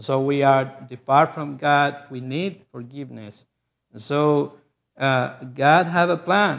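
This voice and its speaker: A man's fairly high voice in a Chilean Spanish accent, very slow, with ordinary pitch variation and big swings in loudness. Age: 40s. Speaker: visiting preacher. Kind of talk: church mission report. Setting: church. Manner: halting.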